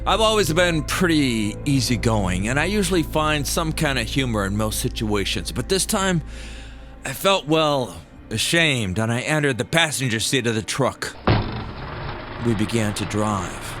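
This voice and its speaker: A man's voice: mid-range voice, very animated, unhurried. An American man telling a personal story as scripted first-person narration. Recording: music behind the voice.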